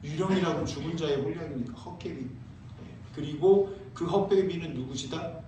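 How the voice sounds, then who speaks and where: A man preaching a sermon as pastor, asking his congregation questions and answering them himself, and reading scripture slowly. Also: fairly high pitch, mellow, slight background noise. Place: church sanctuary. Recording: very echoey church, heard from a distance.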